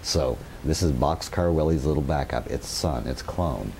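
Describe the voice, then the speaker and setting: A middle-aged man with a very low, dark voice teaches gardening while ill with a fever, stumbling over his words now and then. He talks bluntly and folksily to his viewers. A faint low rumble sits under his voice on the patio. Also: normal speed, creaky. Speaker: gardening channel host. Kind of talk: casual gardening tutorial. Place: home patio garden among potted plants.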